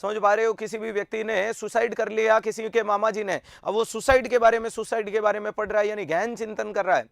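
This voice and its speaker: A man teaching an online nursing exam lecture, energetic and quizzing students with repeated rhetorical questions. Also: sits high, brisk, creaky, hardly any pauses, dry recording, studio quality.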